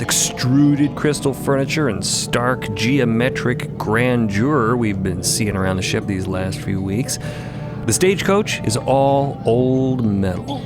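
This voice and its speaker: A man with a mid-pitched voice tells a scripted story as a podcast narrator. His delivery is dramatic and in character, with loud music behind him. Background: loud background music.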